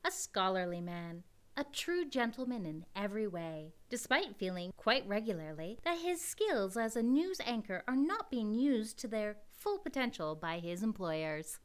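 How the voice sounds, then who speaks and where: A woman's voice: medium pitch, sing-song, moderate pace, lightly acted. A woman as a wry sardonic announcer. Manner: wry, mock-formal narration. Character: dry sardonic female announcer. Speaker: narrator and announcer.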